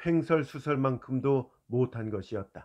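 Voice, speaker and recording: A man talks at a fairly slow pace in an ordinary speaking voice, his pitch fairly high and its variation ordinary. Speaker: announcer. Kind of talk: audiobook reading.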